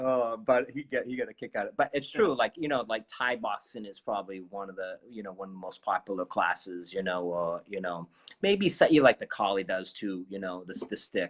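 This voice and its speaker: A man's fairly low voice with a Boston accent, ordinary pitch variation, hardly any pauses and big swings in loudness. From Boston area, Massachusetts. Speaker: martial arts instructor. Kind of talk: interview conversation. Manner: halting, many false starts.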